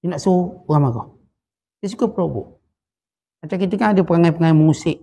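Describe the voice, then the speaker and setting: Speaking quickly in a high-leaning, gravelly, husky voice with a dark tone, a Malaysian Malay-accented religious teacher leads a Sufi study-circle lecture. He teaches from a Sufi text through stories, acting out quotes with mounting emphasis.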